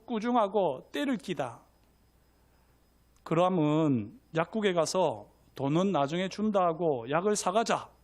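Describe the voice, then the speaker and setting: A man's voice: a little high, a little mellow. A man voicing a frightened young schoolgirl who fears punishment, speaking in Gyeongsang dialect. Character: scared young schoolgirl, elder sister.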